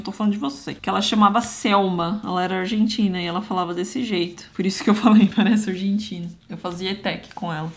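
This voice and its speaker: A woman, chatting casually to viewers as she tests art markers close up. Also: mid-range voice. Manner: chatty, talks to viewers while drawing. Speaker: art youtuber testing markers.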